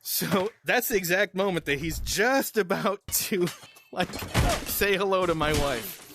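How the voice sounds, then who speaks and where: Over gameplay, a gaming channel host tells a rambling, casual story, chuckling often and restarting his sentences. His voice sits high and unhurried, with a noisy background behind it.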